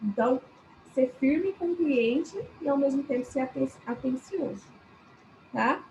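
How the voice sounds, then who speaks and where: A woman's voice: high-pitched, unhurried, a little mellow, slight background noise, poor audio. A woman teacher with a Brazilian Portuguese accent giving a chatty classroom lecture on customer service, often turning to the class and acting out short examples. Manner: chatty, addresses class as "gente", acts out examples.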